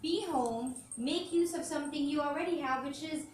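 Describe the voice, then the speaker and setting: A woman's voice: high-pitched, normal speed. A woman speaks candidly and conversationally at a press conference. She laughs easily as she talks. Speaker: radio host, brand ambassador. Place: large event hall. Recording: echoey hall, distant mic, ambient noise.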